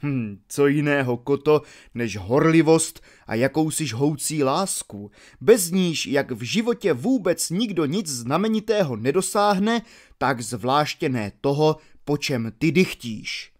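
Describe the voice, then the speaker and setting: A man voicing a genial, seasoned Roman orator in an audiobook reading of a classical dialogue, with deliberate, instructive delivery. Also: on the high side, animated, natural voice. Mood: measured. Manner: deliberate, instructive delivery of long archaic sentences.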